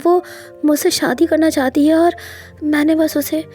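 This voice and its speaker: A possessive young husband, as a woman narrator reads him, firm and calm in a high, mellow voice. He speaks with quiet authority and sometimes drops to a hush. Faint music runs under the storybook narration. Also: a little slow. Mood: soothing.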